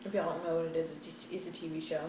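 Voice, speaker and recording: A woman's voice: sits low, level tone, racing, darkish tone. An American woman chatting casually to viewers while chewing, in a rambling, hesitant way. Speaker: vlogger hosting an eat-with-me video. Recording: very echoey room, distant mic, faint noise.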